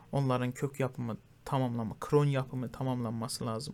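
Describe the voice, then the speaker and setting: In a medium pitch, a man talks at a moderate pace and keeps his intonation fairly even. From Iran. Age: 20s. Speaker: dental student. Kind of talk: casual interview. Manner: hesitant, many fillers.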